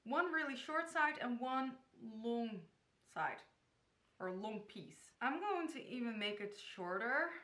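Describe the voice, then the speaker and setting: Bright, forceful and pitched on the high side, the voice belongs to a young Dutch woman giving a casual hijab tutorial to camera. She's giggly and talkative, fumbles place names, and records in a bedroom with noticeable echo.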